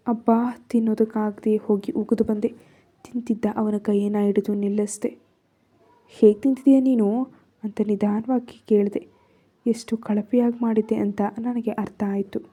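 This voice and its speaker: A woman's voice: mid-range voice, dark tone, slightly rough. A woman narrating a first-person love story in Kannada-accented speech, raising her voice for quoted lines.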